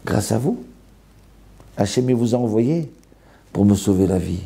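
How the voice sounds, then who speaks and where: Gravelly rabbi telling a dramatic story. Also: male voice, fairly low pitch, lively intonation, a little slow, mellow. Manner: dramatic storyteller, voicing characters. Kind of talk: storytelling sermon.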